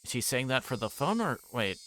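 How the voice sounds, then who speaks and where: A man livestreaming a visual novel, reading its text aloud and breaking into casual, rambling commentary as he thinks out loud. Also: medium pitch, very animated, brisk, slight background noise, rough recording.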